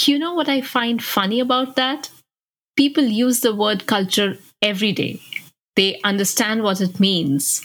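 Husky-voiced woman from India. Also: medium pitch, steady tone, measured pace, fairly bright tone. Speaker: podcast co-host. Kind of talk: podcast conversation.

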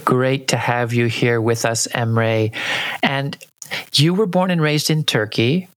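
A man who hosts a podcast and leads the discussion with explanations. His voice sits in a middle pitch, and the recording is dry, with no room sound. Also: slow, no room sound. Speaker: podcast host. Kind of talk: podcast conversation.

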